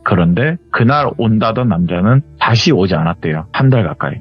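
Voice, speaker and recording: A man hosting a horror story show, retelling a listener's story in an animated, conversational way. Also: fairly low pitch, a little fast, husky. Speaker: horror story radio host. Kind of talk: storytelling narration. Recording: slightly dull audio with faint music.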